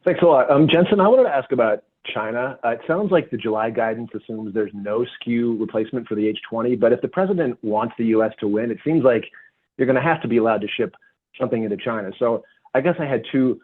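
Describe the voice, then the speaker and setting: Fast-talking man on muffled call line. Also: mid-range voice. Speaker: analyst asking questions. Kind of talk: earnings call question. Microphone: conference call line. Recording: muffled lo-fi conference phone line.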